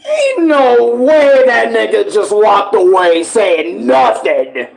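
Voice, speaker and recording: Guy doing a live reaction stream, super slangy and animated, swears a ton, casual chat. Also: extremely high pitch, slow pace, vocal fry.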